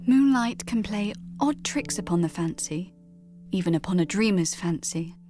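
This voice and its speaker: A woman playing a haunted, romantic gothic narrator, speaking softly and dreamily in a breathy hush for radio drama. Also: mid-range voice, animated, soft background music, voice pushed down, natural voice. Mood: eerie, dreamy. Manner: soft, slow, breathy near-whisper.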